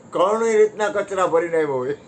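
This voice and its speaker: A man's voice: high-pitched, fairly bright tone, a little hiss or hum. Guy doing a satsang, folksy and jokey, faint crickets in the background. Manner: folksy, conversational, joking with listeners. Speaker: satsang speaker. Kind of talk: devotional satsang talk.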